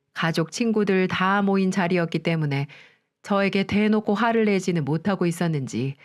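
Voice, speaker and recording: A woman narrating a scripted first-person story calmly. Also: on the low side. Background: soft background music.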